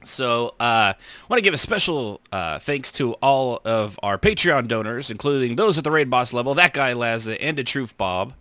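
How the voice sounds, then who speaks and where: A man's voice: medium pitch, lively intonation, moderate pace, bright, forceful tone, dry recording. An American man hosting a casual podcast, bantering with joking mock insults. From United States. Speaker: podcast host. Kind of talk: casual chat show banter.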